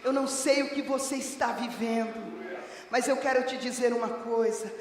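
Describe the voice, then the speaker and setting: A middle-aged woman pastor preaching a fervent sermon in a church, often rising to a shout. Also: on the high side, fairly even intonation, moderate pace. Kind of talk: Pentecostal sermon. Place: church sanctuary. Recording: echoey church hall, voice from a distance.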